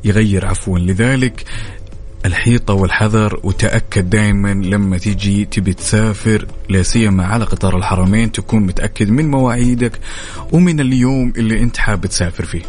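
A man's voice: on the low side, fast talker, darkish tone. A man with a Saudi accent hosting a radio morning show, chatting colloquially with listeners over music. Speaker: radio host. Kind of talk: lively morning radio chat. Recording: music bed behind voice. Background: faint music.

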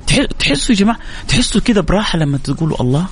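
A man's voice: high voice, big pitch swings, rapid-fire, a bit bright. A man preaching an emotional sermon, pleading and repeating phrases with stammered restarts.

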